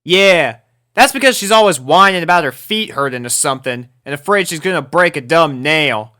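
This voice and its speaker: A woman's voice: sits low, expressive, normal speed, sharp tone, voice pushed up. A woman voicing a brash, sporty teenage tomboy in a story reading, with a blunt, cocky delivery. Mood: scornful.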